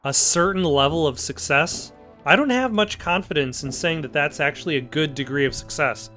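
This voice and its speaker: A man with a fairly high voice gives casual let's play commentary. He wanders into halting asides, with light music behind him. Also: sharp tone. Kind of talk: casual game playthrough commentary.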